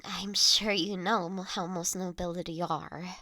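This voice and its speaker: A woman playing a gentle, courteous young noblewoman who looks after the listener in an intimate roleplay audio drama, with soft, formal, old-fashioned phrasing. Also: fairly low pitch, fairly even intonation, a little slow, no room sound, studio quality, voice pushed down. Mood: welcoming. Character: gentle, courteous young noblewoman, doting new master of an automaton.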